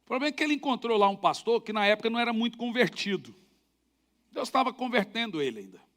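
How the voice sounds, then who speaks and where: High, bright-voiced storytelling male preacher. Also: very animated, quick pace. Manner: emphatic, humorous anecdotes. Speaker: pastor. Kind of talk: storytelling sermon.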